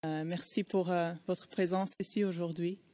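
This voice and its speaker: Avocate à la voix assez grave, hésitante. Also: female voice, fairly low pitch, steady tone, warm tone. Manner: polite, halting with many fillers. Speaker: prosecution lawyer. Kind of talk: courtroom questioning.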